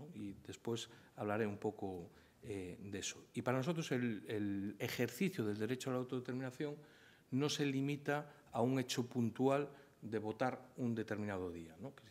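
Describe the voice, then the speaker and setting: His pitch shows ordinary variation. The man keeps to a moderate pace. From Galicia. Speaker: foundation president. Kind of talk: panel discussion. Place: hall. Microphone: podium.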